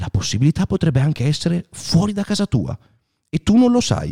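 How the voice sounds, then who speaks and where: Dry and close with no echo, a man's somewhat breathy voice has a dark, mellow tone and very wide pitch swings at a moderate pace. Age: 30s. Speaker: podcast host. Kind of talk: casual chat.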